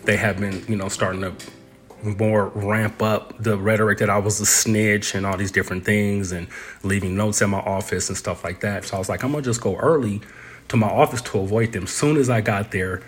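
A man's voice: on the low side, steady tone, brisk, soft background music. A man telling a personal story in an interview, speaking conversationally and loosely, with many "you know"s and "pretty much"es. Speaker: interview guest.

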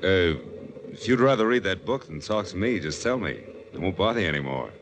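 낮은 목소리의 능글맞은 라디오극 사내, 잡음 섞인 옛 녹음. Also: male voice, sits low, animated, fairly quick. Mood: flirtatious. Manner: slangy, wisecracking. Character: brash, flirtatious man on a train, secretly a crook. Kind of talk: 1940s radio drama acting. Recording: noisy old 1940s radio recording.

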